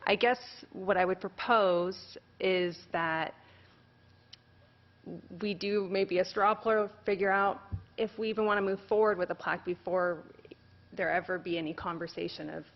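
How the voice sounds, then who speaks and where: A woman's voice: medium pitch, fairly even intonation, moderate pace, dull audio. A woman speaking as a council member at a public meeting, polite and hedging, with frequent restarts.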